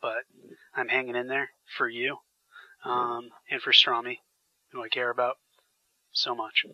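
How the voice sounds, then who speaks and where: A man's voice: mid-range voice, flat delivery, measured pace, no echo, dull audio. A man hosting a podcast, chatting enthusiastically with frequent fillers while getting over a sinus infection. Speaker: podcast host. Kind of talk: casual podcast chat.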